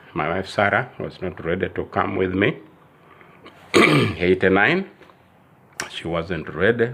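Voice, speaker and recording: Older man, low measured voice. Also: a bit bright. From Uganda. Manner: measured storytelling, repeats dates and restarts phrases. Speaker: medical doctor and theologian giving a testimonial. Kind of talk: personal testimony.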